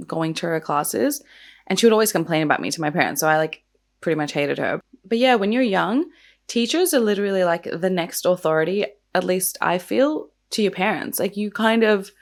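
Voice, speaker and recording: A young woman hosting a true crime and makeup vlog. She talks in a casual, chatty way with lots of "like" fillers, and her voice is croaky from the early morning. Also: on the low side.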